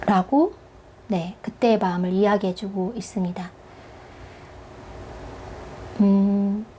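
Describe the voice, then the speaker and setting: Mellow-voiced woman giving a tarot reading. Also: medium pitch, a little hiss or hum. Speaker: tarot reader, channel host. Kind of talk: soft-spoken tarot reading addressed to viewers.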